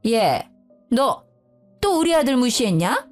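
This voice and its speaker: A woman voicing a sharp-tongued older mother-in-law who scolds her daughter-in-law with contempt. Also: fairly high pitch, big pitch swings, takes it slowly, faint music behind. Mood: scolding.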